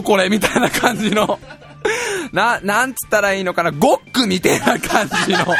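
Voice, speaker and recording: A man rattles through a funny story at speed, his voice sitting a little high. He keeps breaking into the voices of the people he describes. Faint music plays under the podcast. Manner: animated, acts out voices of people in his stories. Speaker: podcast host. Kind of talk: casual comedic storytelling monologue.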